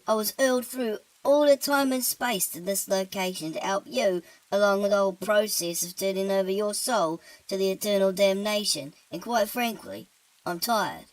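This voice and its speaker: A woman voicing a tired, sardonic male demon with a British accent, deadpan and offhand. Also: medium pitch, normal speed, no room sound, lightly acted, rough recording.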